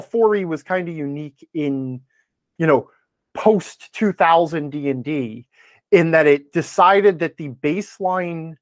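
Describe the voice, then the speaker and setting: A man's voice: a little high, no echo. A man talking casually as an interview guest, telling anecdotes in an emphatic way and punctuating his points. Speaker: guest, tabletop gaming blogger.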